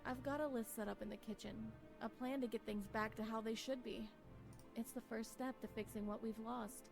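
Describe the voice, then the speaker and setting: An actress playing a weary, anxious wife in a visual novel, speaking a wistful, melancholy inner monologue. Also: female voice, on the high side, fairly even intonation, moderate pace, gravelly. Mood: sad, hopeful. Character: weary, anxious wife clinging to a broken relationship. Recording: music behind the voice. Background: music.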